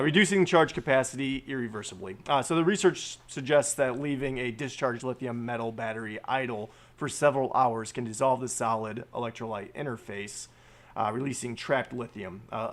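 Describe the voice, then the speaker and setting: Male stream host, mid-pitched, reads articles aloud with halting fillers and restarts. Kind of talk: reading and discussing news articles.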